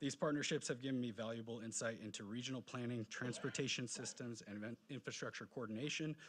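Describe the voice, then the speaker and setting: Pitch varies in an ordinary way as the words come at a very fast pace. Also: man. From Inland Empire, Southern California. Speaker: commission applicant, construction estimator. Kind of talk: public comment at city council meeting. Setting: city council chamber. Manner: formal.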